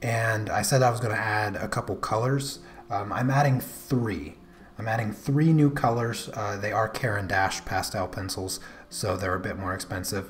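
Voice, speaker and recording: A man has an ordinary speaking voice, with a fairly low pitch, ordinary pitch variation and a moderate pace over light background noise. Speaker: artist streaming a tutorial. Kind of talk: casual live-stream chat.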